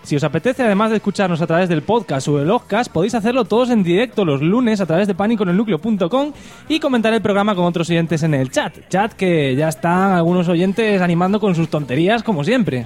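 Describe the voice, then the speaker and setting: A man's voice: sits high, lively intonation, quick pace, darkish tone. A man hosting a comedy podcast, mock-serious and sarcastic. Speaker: podcast host.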